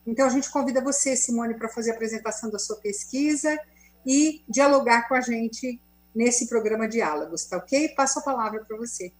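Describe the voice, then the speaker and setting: A woman's voice: a little high, fairly quick, low-quality recording. A woman host introducing a guest and chatting politely over a video call. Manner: welcoming, polite, conversational. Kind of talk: web conference hosting.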